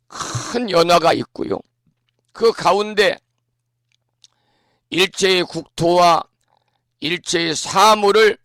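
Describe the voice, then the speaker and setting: Hoarse monk with a raised, dry voice. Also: male voice, fairly high pitch, fairly bright tone, no room sound. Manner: clears his throat often; slow, measured teaching delivery. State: hoarse from a lingering cold. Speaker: Buddhist monk giving a morning broadcast talk. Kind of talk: dharma talk explaining scripture.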